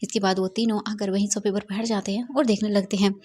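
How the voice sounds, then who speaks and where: Woman storyteller, fanfiction narration, husky voice, dramatic. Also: mid-range voice, flat delivery, fast, a little mellow. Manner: dramatic, mixing English words into narration.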